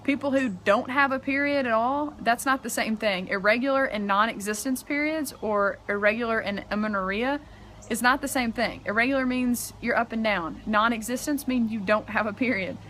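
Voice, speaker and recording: A woman's voice: on the high side, moderate pace, a bit bright, slight background noise. A young woman giving casual, chatty advice as a health coach in a vlog, filled with "like" and "um", recorded outdoors on a camera mic. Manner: chatty, frequent "like" and "um". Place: outdoors in strong sun.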